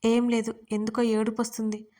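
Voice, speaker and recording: A woman voicing a lively, playful young wife who talks in an excited, bubbly way. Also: on the high side, moderate pace, natural voice. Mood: excited, affectionate.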